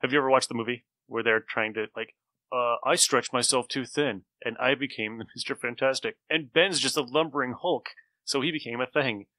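Playful guy chatting on a podcast, bright voice, really dry recording, into it. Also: medium pitch, brisk, dry recording. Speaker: podcast co-host. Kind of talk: casual chat about comic books.

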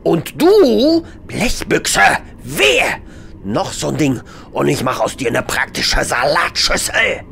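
A man's voice: fairly high pitch, sing-song, slow pace, gravelly, pushed and bright, slight background noise, heavily acted. A man playing an irritable, blustering spaceship captain who speaks in exclamations in a comedy radio play. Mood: angry, alarmed.

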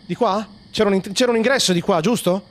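A man's voice: high-pitched, quick pace. Joking man playing a horror game. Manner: joking, swears, yells when startled. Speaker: gaming host. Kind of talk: horror let's play commentary.

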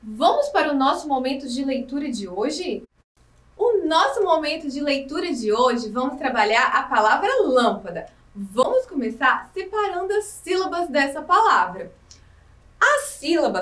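High, lively woman teaching young kids. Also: recorded from a distance. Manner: slow, clear, encouraging teacher talk with questions to the pupils. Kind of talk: recorded lesson for young children. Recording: echoey room, voice from off the mic.

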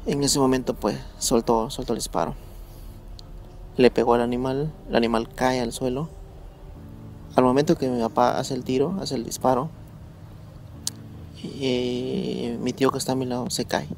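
A man telling a true story in a casual, halting way, often repeating words as he remembers. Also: medium pitch, steady tone, vocal fry, darkish tone, slight background noise. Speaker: guest storyteller.

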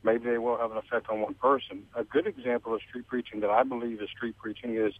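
A man's voice: mid-range voice, fairly even intonation, quick pace, no room sound. A male caller speaks on a radio phone-in. His voice comes through a thin, tinny phone line and sounds dry and close, and he lays out his view steadily. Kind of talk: phone-in call.

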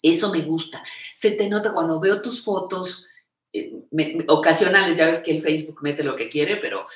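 This older woman's voice is low and moderately paced. As host of a creative-aging live stream in an echoey room, she voices viewers' comments and answers each one affectionately and encouragingly, with frequent use of "reina."

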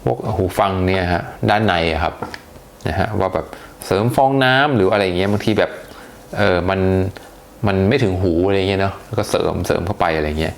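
Low gravelly man reviewing gadgets. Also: fairly quick. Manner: chatty, hesitant, lots of polite particles. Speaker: tech reviewer. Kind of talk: casual unboxing review.

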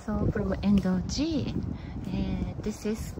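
A woman's voice: medium pitch, drawn-out words. A Japanese woman hosting a casual live-stream walk through city streets, switching between English and Japanese and answering viewers' chat. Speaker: live-stream walking host. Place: city streets outdoors, windy. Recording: loud wind and street noise.

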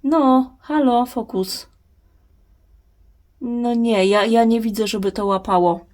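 A woman's voice: a little high, takes it slowly, darkish tone. A woman hosting a plant-care vlog, chatting casually at her indoor grow box and talking tenderly to her plants. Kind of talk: casual talk while tending plants.

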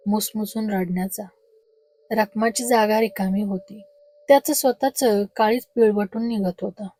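A female storyteller reading a horror story with slow, suspenseful narration. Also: mid-range voice, dark tone, no echo.

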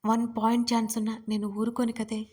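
A woman narrator voicing a gravely ill young woman who speaks wearily and quietly. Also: on the high side, completely flat delivery, fast, natural voice. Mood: weary. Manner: weary, quiet, resigned.

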